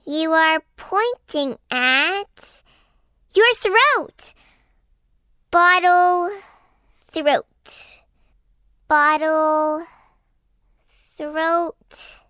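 A woman voicing a small, earnest young seahorse in a children's audio story, slow and wondering, scolding when upset. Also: very high voice, sharp tone, dry recording, studio quality, voice pushed up, exaggerated voice. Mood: puzzled.

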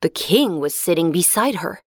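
A woman narrating a fairy tale for children in a clear, expressive reading. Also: fairly low pitch, moderate pace, dry recording, clean studio sound.

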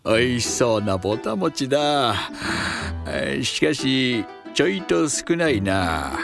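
A man's voice: medium pitch, big pitch swings, slow pace, vocal fry, music in the background, heavily acted. A man voicing a greedy middle-aged temple priest, muttering and scheming to himself.

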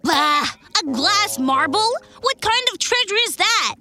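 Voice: very high-pitched, measured pace, noisy background, heavily acted. A performer voicing a cheeky, boastful young male fox magician in a children's cartoon. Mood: mocking. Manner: curious, cheeky, excitable. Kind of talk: cartoon voice acting.

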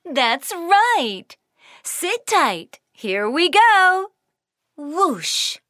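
A woman's voice: high voice, sing-song, takes it slowly, bright, forceful tone, dry recording, clean studio sound. A woman narrating a children's cartoon in a sing-song, cheerful storytelling way.

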